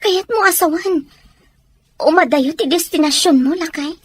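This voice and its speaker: A woman's voice: very high-pitched, moderate pace, no room sound. A woman with a Filipino accent acting emotional domestic roles in an audio drama. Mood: concerned. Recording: some background noise.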